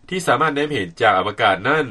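A man's voice: medium pitch, lively intonation, quick pace, bright, forceful tone. A man with a Lao accent reading a scripted news report as a radio reporter.

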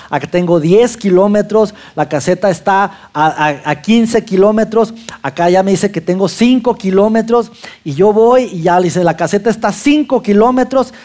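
A man with a Mexican accent and a high-pitched voice tells an audience a lively personal story, acting out his own lines as he goes.

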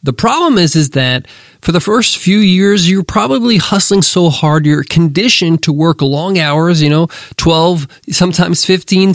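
A man's voice: fairly high pitch, dry recording, studio quality. A man hosting a business podcast lesson, sounding nasal and congested from a cold, talking in an upbeat, motivational way straight to his listeners. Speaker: podcast host.

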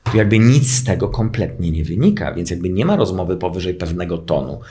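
A man's voice: sits low, fairly quick. A middle-aged man, a relationship therapist, chatting casually and acting out his clients' lines as he tells stories. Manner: animated storyteller, acts out clients' lines. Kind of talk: casual podcast conversation.

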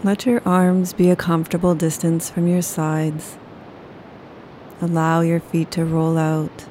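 A woman leading a guided yoga nidra meditation, speaking slowly and soothingly. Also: sits low, level tone, dark tone, slight background noise, poor audio. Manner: slow, soothing, unhurried.

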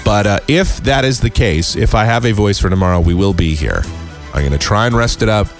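A man hosting a casual sports podcast, hoarse and sick with a cold, talking in a rambling, self-deprecating way with many halting restarts. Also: lowish voice, over music. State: hoarse, losing his voice. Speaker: podcast host.

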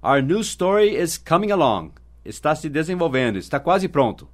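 A Brazilian man hosting a mini-podcast English lesson, explaining phrases patiently, repeating them slowly and spelling words out letter by letter. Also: on the high side, sing-song. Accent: Brazilian Portuguese. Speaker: English teacher.

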